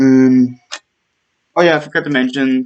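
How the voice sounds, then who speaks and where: A man at a medium pitch. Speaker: music reviewer. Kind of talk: album review. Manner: halting, many fillers; casual.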